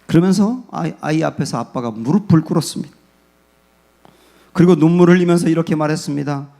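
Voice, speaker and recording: A man pastor preaching a Sunday sermon in a church, building from quiet storytelling to fervent peaks. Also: a little high, fast talker, creaky. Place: church sanctuary.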